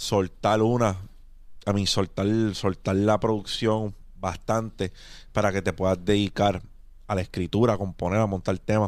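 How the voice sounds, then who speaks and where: Over a silent background in a very clean recording, a speaker with a Puerto Rican accent talks at a moderate pace with very even loudness and fairly even intonation. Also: man. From Puerto Rico (Río Grande). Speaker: podcast host. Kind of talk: casual interview chat.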